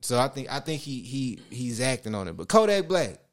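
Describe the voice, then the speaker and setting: A man guesting on a casual podcast, relaxed, often restarting and repeating himself. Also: mid-range voice, a little fast.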